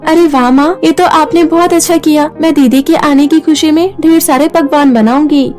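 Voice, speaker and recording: A woman's voice: high voice, fairly even intonation, normal speed, soft background music, voice pushed up, lightly acted. A woman doing a meek, pleading cartoon girl. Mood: gentle. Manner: soft, pleading, earnest. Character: gentle, meek young woman, hardworking elder sister.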